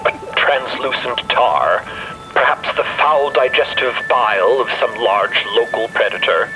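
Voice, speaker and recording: A man playing a gloomy, theatrically suspicious explorer in a fiction podcast, speaking in a florid, dramatic, deliberate way. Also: mid-range voice, lively intonation, music in the background, lightly acted, low-quality recording. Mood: ominous curiosity. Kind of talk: fiction podcast character acting.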